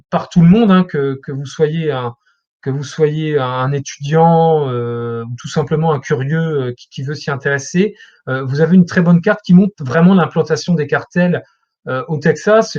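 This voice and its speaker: A man's voice: fairly high pitch, a little mellow, lo-fi sound. A man speaking as a guest expert in an interview, explaining things in a lecturing way as if to students.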